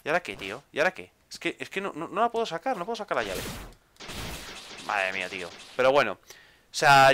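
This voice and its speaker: Lively chatty man gaming. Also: medium pitch, a little hiss or hum. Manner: chatty, exclaiming, repeats words when stuck. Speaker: gameplay video host. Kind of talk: casual gameplay commentary.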